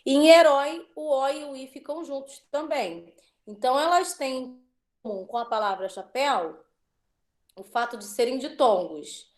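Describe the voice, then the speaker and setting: A woman's voice: sits high, lively intonation, moderate pace. A woman teacher giving an online class, patiently drawing out words as she drills syllables.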